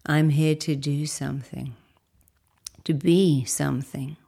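A woman leading a guided meditation in a soothing, unhurried, instructive way, with a soft voice that turns breathy at phrase ends. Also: sits low, steady tone.

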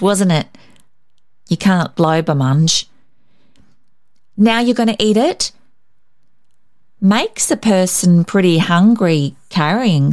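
Woman doing a chatty little storybook boy, very earnest about his errand. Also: mid-range voice. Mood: chatty, matter-of-fact.

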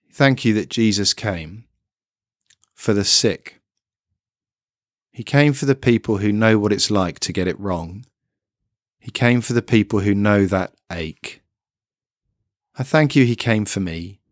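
A middle-aged man giving a children's sermon, emphatic and expressive, building lists and ending in prayer. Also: on the low side, takes it slowly, pauses often, no room sound. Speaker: preacher. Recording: dry close recording.

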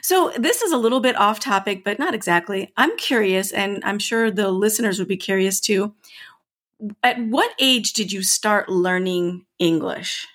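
A woman's voice: medium pitch, moderate pace, fairly bright tone. A woman co-hosting a podcast in casual chat, asking curious questions and encouraging her co-host.

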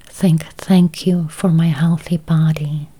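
A woman leading a guided meditation in a soft, breathy near-whisper, with calm, soothing, deliberate phrasing. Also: low voice, low-quality recording.

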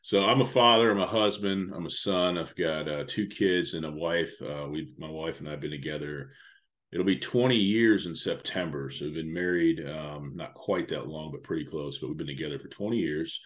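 Deep-voiced man in his forties. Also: normal speed. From United States. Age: 40s. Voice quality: loud, resonant radio-style voice. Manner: relaxed, steady storytelling with frequent "uh" and "um". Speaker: guest. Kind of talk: casual interview chat.

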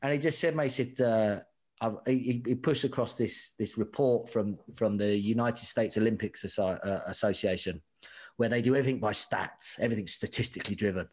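A man's voice: lowish voice, brisk, slightly rough. Chatty man telling stories. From England. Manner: animated, repeats words and restarts, says "mate". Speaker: rugby sevens coach, guest. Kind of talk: candid conversational storytelling.

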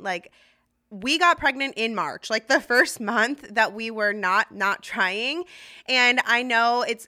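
Bright-voiced woman in her thirties, chatty. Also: mid-range voice. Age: 30s. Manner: chatty and confiding, many fillers and restarts, quick asides. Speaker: podcast host. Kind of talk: casual solo podcast chat.

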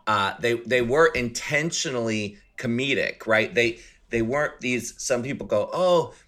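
A man hosting a casual film discussion podcast, enthusiastic and quick to laugh, with plenty of fillers. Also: medium pitch, bright, forceful tone. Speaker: podcast host.

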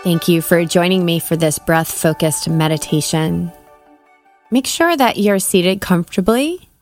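A woman leading a guided breathing meditation as a podcast host and coach, giving measured, soothing instructions with pauses. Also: fairly low pitch, soft background music.

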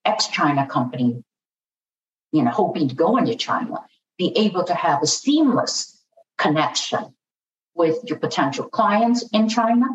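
A woman speaking as a guest in an interview, earnest and repeating herself with many fillers. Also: low voice. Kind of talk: conversational interview. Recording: distant, roomy, dull audio with faint noise.

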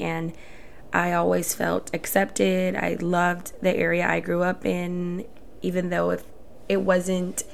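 A woman in her twenties hosts her own podcast, talking on her own in an earnest, reflective way. Her voice sits low and has a lot of vocal fry. A faint hiss runs under the recording. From El Salvador, raised in Houston, Texas. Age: 20s. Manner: earnest, reflective, speaks in short phrases. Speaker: podcast host. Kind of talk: solo podcast monologue.

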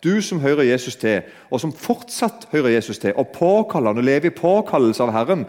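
Male preacher, conversational sermon, lively pitch, long hall reverb. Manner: conversational, addresses listeners directly.

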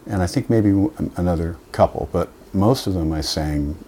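A man talking casually as a guest musician, with a low voice and a relaxed, trailing way of speaking full of "you know". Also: moderate pace, slight background noise. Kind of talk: casual conversation.

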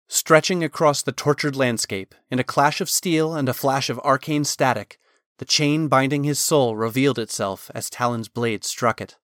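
A man reading a fantasy novel chapter aloud as a narrator, in a steady, measured storytelling manner. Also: medium pitch, no echo, studio quality.

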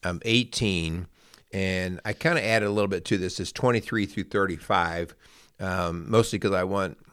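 A man co-hosting a casual faith podcast, reading Scripture and chatting in a relaxed, folksy, joking way. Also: low voice, normal speed, smooth, no room sound, clean studio sound. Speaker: podcast co-host.

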